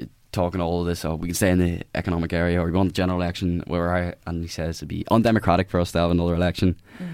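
A man with a Northern Irish accent talks at a very fast pace in a very deep, low pitch, his intonation monotone and flat, on a very clean recording with a silent background. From Belfast, Northern Ireland. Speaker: youth campaigner.

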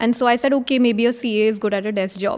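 At a very fast pace, a woman talks in a high voice. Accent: Indian. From Delhi, India. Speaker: startup co-founder and CEO. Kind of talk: casual interview conversation.

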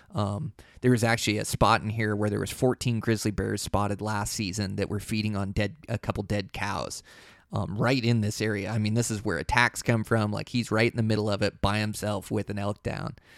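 In a dry, close recording with no echo and a silent background, a man with an American accent talks at a fairly quick pace in a fairly low pitch and an animated tone. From US Pacific Northwest. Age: 40s. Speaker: hunting podcaster. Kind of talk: casual solo podcast monologue. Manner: animated, filler-heavy.

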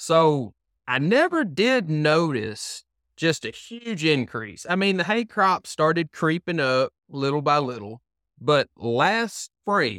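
With a Southern US accent, a man speaks at a fairly high pitch in a bright, sharp tone, his pitch swinging very widely, on a very clean recording with a silent background. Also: dry, close sound with no echo. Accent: Southern US, noticeable. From Arkansas. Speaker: regenerative farmer. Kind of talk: casual interview conversation.

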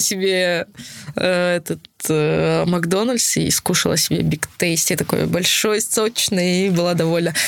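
A woman with a medium pitch speaks amid noticeable background noise. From Moscow, Russia. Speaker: professional MMA fighter. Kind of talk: podcast interview. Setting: studio.

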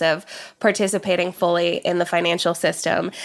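A woman's normal speaking voice at medium pitch and a moderate pace, with an American accent. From Oklahoma, US. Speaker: fintech founder and CEO. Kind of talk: interview. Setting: remote call.

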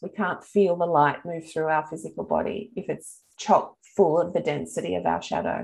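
A woman speaks at a fairly low pitch with vocal fry and ordinary pitch variation. She leaves hardly any pauses. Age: 50s. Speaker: menopause and trauma release practitioner. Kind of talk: guided session; interview.

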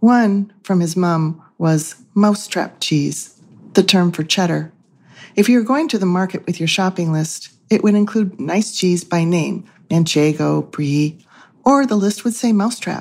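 An unremarkable speaking voice with an American accent moves at a fairly slow pace. Pitch varies in an ordinary way, and the recording is very clean with a silent background. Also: woman, medium pitch for a woman. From United States. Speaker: podcast listener, widow. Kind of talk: interview; reading aloud.

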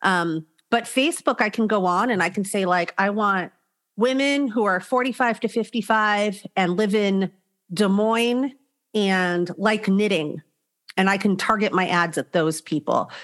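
Very even in loudness, the voice moves at a fairly slow pace with ordinary pitch variation on a very clean recording with a silent background. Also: woman, medium pitch for a woman. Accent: Californian. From Los Angeles, San Fernando Valley. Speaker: publicist and social media strategist. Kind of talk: interview conversation. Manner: animated.

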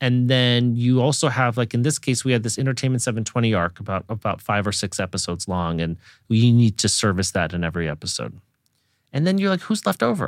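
On a very clean recording with a silent background, a man races along at a very fast pace with lively intonation. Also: medium pitch for a man. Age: 40s. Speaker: podcast co-host, writer. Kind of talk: casual chat.

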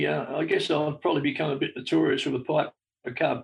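A man is speaking. He has an Australian accent. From Australia, Melbourne. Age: 80s+. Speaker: model aircraft hobbyist and newsletter publisher. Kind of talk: casual interview.

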